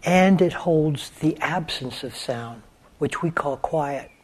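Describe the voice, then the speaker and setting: Slow-spoken older man guiding meditation. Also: on the high side. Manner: slow, gentle, unhurried with long pauses. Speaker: meditation teacher. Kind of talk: guided meditation.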